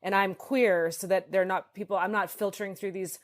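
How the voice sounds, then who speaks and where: A woman's voice: mid-range voice, steady tone, normal speed. A woman in her thirties from the United States, a folk singer guest talking earnestly and reflectively in a casual interview. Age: 30s. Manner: earnest, reflective, says "like" often.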